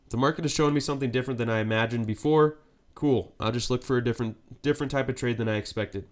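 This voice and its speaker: A man's voice: mid-range voice, fast talker. A man with a cold and a congested voice, giving live market commentary on his stream and checking in with a frequent "right?". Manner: steady explanatory, frequent "right?" check-ins.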